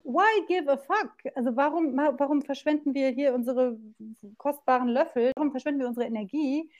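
A woman's voice: high voice, brisk, a little mellow, dull audio. A woman in her forties from Berlin, a therapist talking as a podcast guest in a candid, chatty, colloquial way with plenty of fillers. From Berlin, Germany. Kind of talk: casual podcast interview.

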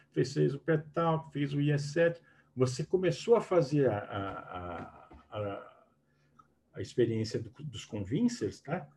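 A man instructs a group on hypnosis, stressing his points and checking in with his listeners. His voice is warm and mellow, sitting fairly high, and it moves up and down a lot. A faint background hum runs under him. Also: vocal fry. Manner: emphatic, keeps checking in with the listeners. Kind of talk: teaching in a group call.

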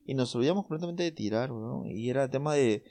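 A man's voice: medium pitch, expressive, fast, warm tone, dry recording. Young Peruvian man, podcast co-host, rambling slangy storyteller, dry close sound. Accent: Peruvian Spanish. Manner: rambling, self-interrupting, slangy. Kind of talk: casual storytelling among friends.

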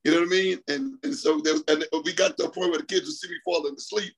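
High-pitched and breathy, the voice of a middle-aged Bahamian track coach comes quickly over a call with poor audio. He rambles through his story in this interview, repeating himself and laughing often.

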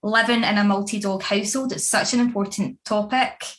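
A woman's voice: mid-range voice, steady tone, fairly quick. Woman, casual interview chat, fillers, laughs often. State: pregnant. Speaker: dog grooming academy founder and author.

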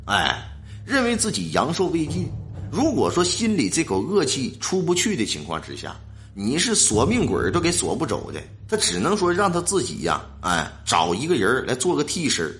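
A man's voice: mid-range voice, wildly swooping pitch, normal speed, a bit bright, a little hiss or hum. A man telling a ghost story in a colloquial, dramatic way.

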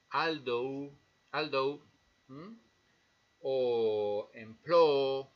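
A man's voice: fairly high pitch, fairly bright tone. A man teaching English pronunciation, patiently repeating example words and checking in with the listener. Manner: patient, repeats words slowly with tag questions. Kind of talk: explanatory lesson. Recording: dull lo-fi sound.

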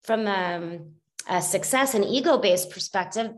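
A woman's voice: medium pitch, unhurried. A middle-aged woman telling her own story as a guest on a podcast, in a reflective way, with many fillers and restarts. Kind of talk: casual storytelling in a podcast interview.

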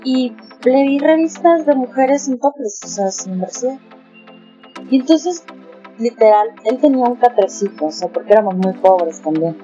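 Mexican lady guest rambling thru a story, kinda dark mellow voice, dull lo-fi sound w faint music. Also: on the high side, animated, normal speed. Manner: chatty, filler-heavy anecdotes. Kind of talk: casual storytelling chat.

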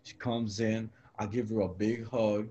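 A man hosting a casual chat, talking in a relaxed, slangy way and telling stories. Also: fairly low pitch, unhurried. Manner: slangy and laid-back, full of "bro" and "you know what I'm saying". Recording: lo-fi, slightly dull sound.

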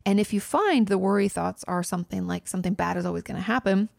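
A woman giving casual, explanatory advice as a therapist host, speaking directly to the listener in a conversational way with animated emphasis. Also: medium pitch, fast talker, vocal fry, no room sound, clean studio sound. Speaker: therapist host answering viewer questions. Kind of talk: casual explanatory advice, reading questions aloud.

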